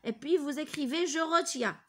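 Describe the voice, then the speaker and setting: A woman teacher giving a grammar lesson to pupils, hesitant with many fillers and restarts, slowly repeating key terms. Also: sits high, a bit bright.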